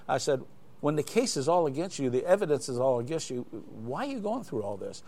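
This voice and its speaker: A man's voice: a little high, big pitch swings, a little fast, a little mellow. An older man, a guest in a live studio interview, telling anecdotes in a rambling way with many restarts. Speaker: interview guest, glider flight examiner.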